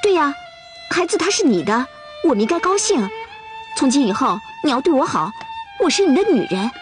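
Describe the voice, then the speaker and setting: Stubborn lovesick russian girl in a tv period drama, high voice, keeps begging the same thing over and over. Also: big pitch swings, fairly quick, faint music behind. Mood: earnest. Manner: insistent, repeats her pleas over and over. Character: headstrong young Russian woman, lovesick and clinging. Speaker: Russian woman in love with a herder. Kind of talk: television costume drama dialogue.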